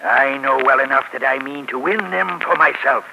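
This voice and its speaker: An actor playing a cruel, arrogant black knight in a 1940s radio drama, speaking in a haughty, scheming way. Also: male voice, mid-range voice, normal speed, creaky, dull audio, close to an everyday voice. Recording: noisy 1940s radio broadcast.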